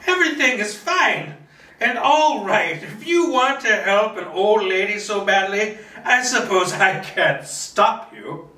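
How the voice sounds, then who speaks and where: A man's voice: sits high, animated, slow pace, pushed and bright, voice pushed up, heavily acted. A man voicing a frail old woman who is polite, fussy and nervously cheerful in a screenplay table read. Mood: falsely cheerful. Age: older. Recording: roomy echo, distant mic.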